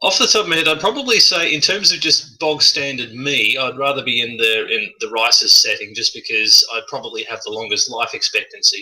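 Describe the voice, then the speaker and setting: Over noticeable background noise, a man with an Australian accent talks at a fairly quick pace. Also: hardly any pauses. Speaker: teacher and hobbyist gamer. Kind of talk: casual podcast interview. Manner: hesitant, many fillers.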